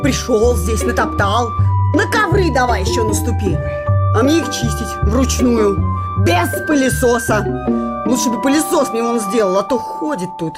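An actress playing a jealous, sarcastic working-class wife who nags bluntly in a radio comedy play. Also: female voice, on the high side, expressive, normal speed, over loud music, natural voice. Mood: bossy, mocking. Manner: nagging, sarcastic, colloquial and blunt.

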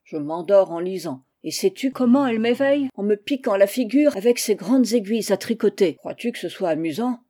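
A woman voicing a resentful but softening orphan boy in an audiobook, complaining and earnest. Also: mid-range voice, expressive, brisk, hardly any pauses, lightly acted.

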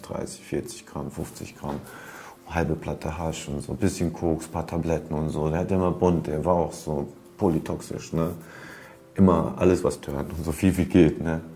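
A man's voice: extremely low pitch, mellow. A man casually recounting old stories in a rambling way, full of street slang and fillers. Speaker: storyteller recounting past. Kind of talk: casual spoken storytelling.

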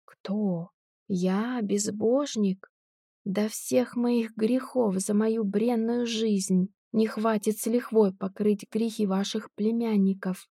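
Drunk male tramp, grave robber, sneering, slow, cold-blooded, woman reading, mellow voice, dry sound. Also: mid-range voice, fairly even intonation, creaky, slightly rough, no echo, full character voice.

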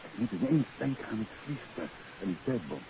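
A man playing a shrewd, urbane detective husband in the expressive manner of 1950s Dutch radio drama. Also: lowish voice, a little fast. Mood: pensive, wary. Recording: dull, hissy 1950s radio recording.

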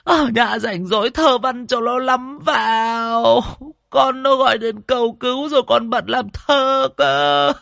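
A man voicing a grieving old grandmother who wails, sobs and curses in a shrill lament. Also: a little slow, vocal fry, a bit bright, no room sound, clean studio sound. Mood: wailing grief. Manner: shrieking, sobbing lament with curses. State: crying.

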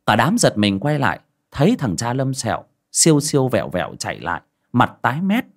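A man narrating a dramatic folk ghost story in an expressive storytelling manner. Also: mid-range voice, fairly quick. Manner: lively, expressive.

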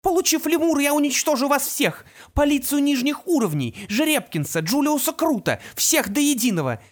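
Woman voicing a shrill possessed mother. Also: big pitch swings, normal speed. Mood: furious. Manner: shrill, shrieking, hissing threats. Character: possessed sickly mother turned vengeful sorceress. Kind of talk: audiobook reading.

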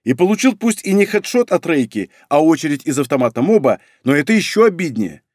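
Lively wry male audiobook narrator. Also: on the high side, a little fast, no echo, studio quality. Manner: wry, conversational. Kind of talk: first-person audiobook narration.

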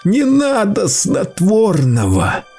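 Frantic stranded man, a male reader putting him on, high strained cries, drawn-out pleading. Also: huge pitch swings, a little mellow, soft background music, exaggerated voice. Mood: panicked.

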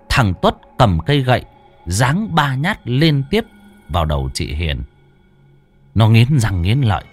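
Low-voiced man narrating a ghost story. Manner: dramatic, lively storytelling. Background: faint background music.

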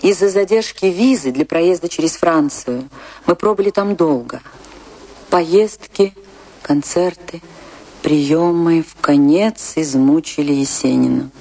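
A woman's voice: sits low, unhurried, mellow. An actress playing a passionate, lovestruck female dancer remembering her poet husband in a theatrical radio-play monologue. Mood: reflective. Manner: theatrical, lingering, rapturous delivery. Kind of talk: dramatic first-person monologue in a radio play.

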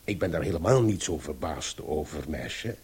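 Very raspy, pompous elderly uncle. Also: male voice, a bass voice, lively intonation, normal speed, a little mellow, heavily acted. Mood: smug. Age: older. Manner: lecturing, pompous. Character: opinionated, philosophizing elderly uncle. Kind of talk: Dutch radio drama acting.

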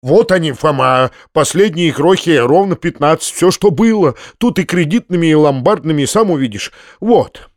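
A man's voice: on the high side, animated, moderate pace, few pauses, dry recording, studio quality, voice pushed up, lightly acted. Man doing a flustered kindly old colonel. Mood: eager. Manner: earnest, pleading, warm-hearted. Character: kindly flustered middle-aged gentleman colonel.

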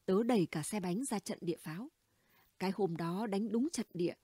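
Gossipy middle-aged neighbor lady, read by a woman, blunt and chatty, soft breathy voice. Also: mid-range voice, brisk, dry recording, close to an everyday voice. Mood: gossiping. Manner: chatty, blunt, conspiratorial storytelling. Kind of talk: audiobook character dialogue.

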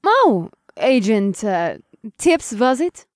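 A man's voice: high voice, fairly even intonation, normal speed, a little mellow, no room sound, studio quality, voice pushed up, close to an everyday voice. A man voicing a confident, smirking vampire woman who speaks in a sly, matter-of-fact way. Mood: cool.

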